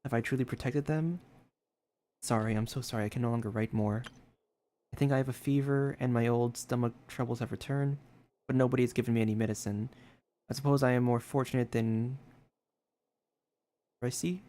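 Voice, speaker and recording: A man's voice: mid-range voice, fairly even intonation, a little fast, long pauses, mellow. A man streaming a game, reading its story text aloud and adding casual commentary.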